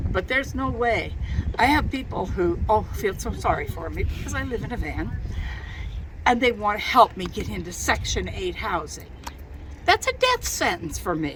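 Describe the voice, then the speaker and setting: A woman with an American accent is heard over noticeable background noise. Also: moderate pace. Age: 70s. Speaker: van dweller. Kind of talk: casual chat. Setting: outdoors.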